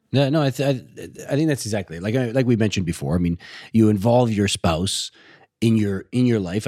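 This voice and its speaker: A man with a plain, everyday voice speaks fairly quickly at a fairly low pitch. His intonation is lively. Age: 40s. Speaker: podcast co-host. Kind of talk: casual chat.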